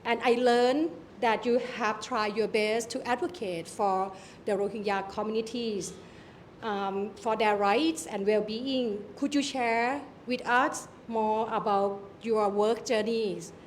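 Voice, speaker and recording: Woman hosting a q and a, kinda nervous, lots of um and like, higher voice, faint rumble. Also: steady tone, slow pace. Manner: nervous, filler-heavy, friendly. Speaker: event moderator. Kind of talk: hosting a public Q&A. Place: event venue.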